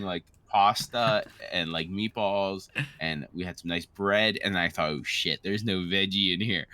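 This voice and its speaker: A man with a very low voice hosts a casual gaming show. His delivery swings expressively up and down as he rambles along, swearing freely in friendly banter. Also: pushed and bright. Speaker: co-host of a let's-play show.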